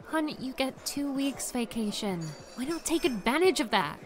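A woman in her twenties playing a lively, teasing young influencer friend in an audio drama, with music under her voice. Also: high-pitched, moderate pace. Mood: chatty.

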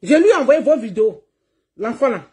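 A woman's voice: on the high side, big pitch swings, brisk, a little mellow. A woman streamer delivering a heated livestream rant, combative and mocking, laughing as she scolds. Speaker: online streamer.

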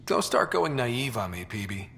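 A man playing a dry, teasing, steady young space adventurer in a video game, wry and deadpan. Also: mid-range voice, normal speed, vocal fry, a little hiss or hum. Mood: skeptical. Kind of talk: video game dialogue acting.

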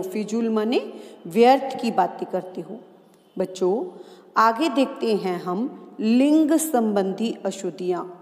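A woman teacher giving a grammar lesson to children. She reads example sentences slowly and answers her own questions. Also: mid-range voice, a little mellow. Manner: slow, deliberate dictation of example sentences. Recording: echoey room with long reverb.

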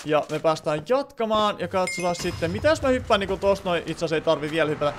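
A man's voice: high-pitched, expressive, background noise. A man live-streaming a video game, chatting casually with his viewers and rambling with many filler words.

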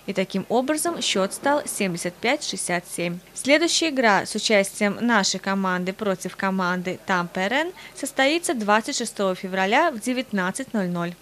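A woman reading a sports news report as a voice-over, steady and formal. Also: medium pitch, a little hiss or hum.

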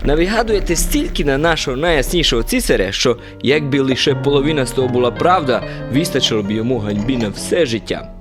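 A man's voice: mid-range voice, lively intonation, fast talker, few pauses, natural voice. Man acting a good-natured simpleton soldier, rambling tavern philosopher, radio drama, music underneath. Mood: rambling, chatty. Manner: rambling, naive tavern philosophizing with confident pronouncements. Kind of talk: radio play character acting.

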